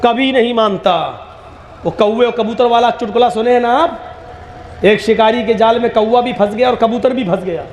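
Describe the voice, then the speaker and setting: A man's voice: very high voice, normal speed, slight background noise. A man preaching and telling comic stories, acting out the characters as he goes. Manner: animated storytelling, acting out voices. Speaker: Muslim preacher. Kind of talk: humorous religious talk with jokes.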